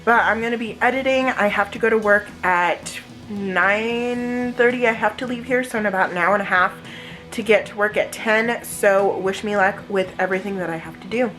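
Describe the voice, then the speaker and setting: A woman's voice: mid-range voice, moderate pace, fairly bright tone, faint music behind. A woman vlogger chatting casually and informally to her viewers in a day-in-the-life style.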